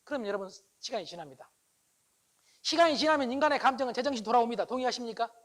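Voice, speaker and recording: A man giving a humorous lecture to a live audience, animated and teasing, often acting out dialogue. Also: very high-pitched, racing.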